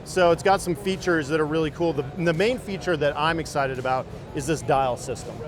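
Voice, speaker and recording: A man's voice: fairly high pitch, fairly quick, music in the background. A man working as a company rep, explaining products in an enthusiastic demo. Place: busy indoor trade show floor.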